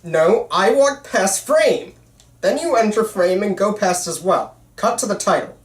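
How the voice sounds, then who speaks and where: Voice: mid-range voice, expressive, unhurried. A person reading the lead part in an amateur script table read, casual and conversational with some stammering. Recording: roomy, echoey room.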